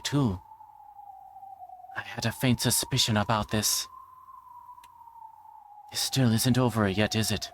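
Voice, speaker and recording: A man's voice: on the low side, slight background noise. A man reading a visual novel aloud as a livestreamer, now and then stumbling and rereading. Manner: stumbles over words and rereads them.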